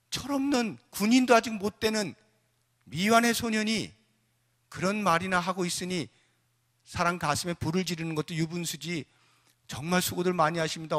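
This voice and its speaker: A male pastor delivering an animated sermon with a high, lively voice that swings from quiet asides to fervent outbursts. Long reverb fills the church sanctuary around him. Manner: animated, acts out scripture characters, swings from soft asides to fervent exclamations.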